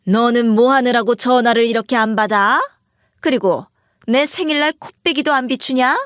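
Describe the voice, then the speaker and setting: A storybook mother-in-law, sharp-tongued and scolding, played by a woman. She fires off reproaches in a lifted, higher tone. The voice is close and dry. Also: dry recording, natural voice. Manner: scolding, rapid-fire reproaches.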